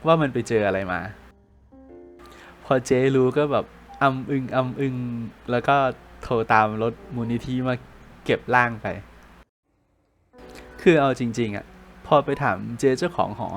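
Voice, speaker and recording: A man's voice: medium pitch, a little slow, pauses often, faint music behind. Man telling ghost stories casually. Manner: relaxed friend-to-friend slang. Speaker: podcast storyteller.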